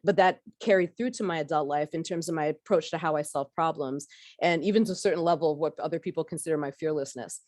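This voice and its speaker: A woman's voice: deep voice, quick pace, darkish tone, no room sound, studio quality. A middle-aged woman from Barbados giving a conversational workshop talk about her background, with frequent fillers and restarts. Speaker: workshop speaker.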